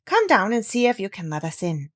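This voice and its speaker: A woman voicing an excitable, gushing female duck in a storybook, chatty and emphatic. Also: medium pitch, fairly quick. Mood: delighted, excited.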